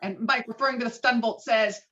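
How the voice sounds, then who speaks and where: A woman reading screenplay stage directions with dramatic, expressive delivery over a video call. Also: fairly high pitch, a little fast, muffled recording. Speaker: stage directions reader at a table read.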